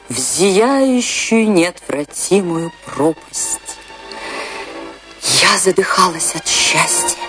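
Radio drama: lovestruck woman dancer, low-voiced, lingering theatrical delivery, unhurried, over music. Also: exaggerated voice. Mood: rapturous. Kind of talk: dramatic first-person monologue in a radio play.

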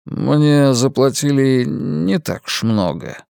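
A young rock-singer son, voiced by a male narrator, defensive and drawn out as he answers. The voice sits at a medium pitch and is recorded close and dry, with no room sound. It reads as an audiobook dialogue. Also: expressive, takes it slowly, vocal fry, darkish tone, clear, resonant tone, no room sound. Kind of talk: audiobook character voice.

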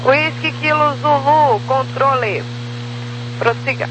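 A woman's voice: high-pitched, slow pace, over music. A Brazilian woman working as an air traffic controller, issuing clipped instructions over a crackly, military-style aviation radio. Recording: humming, noisy crackly radio transmission.

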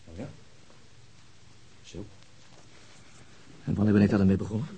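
A meek middle-aged Dutch husband and father in a radio play. His voice is low and extremely breathy-rough. He mumbles haltingly and avoids committing himself. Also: warm tone, low-quality recording. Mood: awkward, hesitant. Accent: Netherlands Dutch. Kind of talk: radio drama acting.

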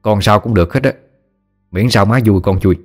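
A man voicing a gentle, easygoing young son who agrees with his mother. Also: on the low side, moderate pace, faint music behind, lightly acted. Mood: amused.

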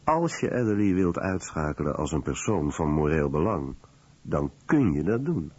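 A man reading a scripted documentary voice-over in a measured, serious way. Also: extremely low pitch, sing-song, a little mellow, slightly rough, lo-fi sound.

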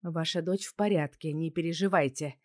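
A woman's voice: low-pitched, fairly even intonation, moderate pace, darkish tone, dry recording, clean studio sound, close to an everyday voice. A woman voicing a man who hurriedly soothes an injured woman after a car crash. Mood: soothing. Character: calm reassuring male rescuer at a crash.

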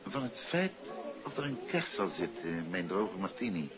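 An actor playing a suave, courteous detective and teasing husband in a 1950s Dutch radio play. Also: male voice, low-pitched, very animated, moderate pace, a crowd in the background. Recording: dull old radio recording, music behind.

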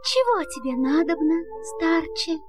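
An actress voicing a gentle, regal magical golden fish in a fairy-tale audio play, with a soothing singsong delivery. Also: female voice, extremely high pitch, sing-song, measured pace, music in the background, heavily acted. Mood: regal, inquiring.

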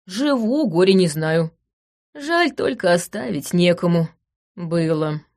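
A woman reading an audiobook voices a plain-spoken older male jeweler in an unhurried, homely way. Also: lowish voice, expressive, darkish tone.

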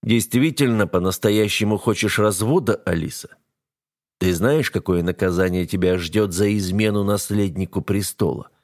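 A man's voice: fairly low pitch, natural voice. A man voicing a cold, domineering heir to the throne who issues level, menacing warnings. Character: cold, domineering male heir, the narrator himself.

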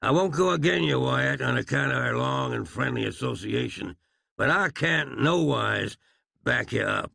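A man's voice: mid-range voice, normal speed, creaky, bright, forceful tone, no room sound, studio quality, pitched above the performer's own voice, full character voice. A man voicing a cautious, loyal Old West gunman who speaks earnestly in a plain frontier drawl.

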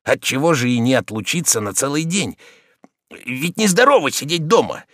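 A man's voice: mid-range voice, sing-song, normal speed, fairly bright tone, dry recording, studio quality, pitched above the performer's own voice. A man reading an audiobook voices a timid, grumbling old manservant who mumbles and pleads. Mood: plaintive.

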